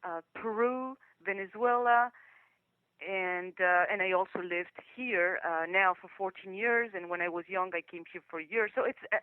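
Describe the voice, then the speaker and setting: A woman's voice: mid-range voice, moderate pace, dry recording. A woman from France, answering interview questions as a guest consultant in a careful, thoughtful way with frequent fillers, heard over a phone line.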